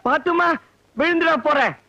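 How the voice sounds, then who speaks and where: An actor playing an eccentric, pompous office manager who fusses and mock-solemnly repeats stock phrases. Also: male voice, very high-pitched, normal speed, music in the background, rough recording. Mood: fussy. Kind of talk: 1980s film comedy acting.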